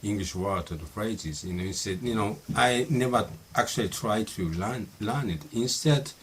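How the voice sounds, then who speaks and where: Give me a middle-aged Japanese man with an accent and a lowish voice, halting speech with constant fillers, over a faint hiss. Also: fairly bright tone. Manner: halting, many fillers and restarts. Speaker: vlogger practicing English. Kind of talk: casual solo monologue.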